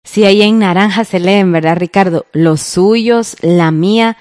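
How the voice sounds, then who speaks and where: A woman leads listeners through exercises on a radio lesson, friendly and guiding. Her mid-pitched voice sounds close and dry, with no room around it. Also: unhurried, a little mellow, no echo. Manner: friendly, guiding, asks the listener to follow along. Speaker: radio teacher, co-host.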